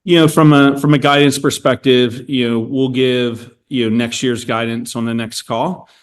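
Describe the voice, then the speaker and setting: Male corporate executive, average pitch, businesslike and measured, earnings-call delivery. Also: steady tone. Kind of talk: prepared corporate remarks and answers to analysts.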